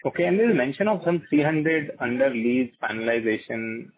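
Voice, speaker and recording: A man with an Indian accent, an analyst putting halting questions on an earnings call. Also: mid-range voice, fairly even intonation. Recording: narrow, tinny phone line.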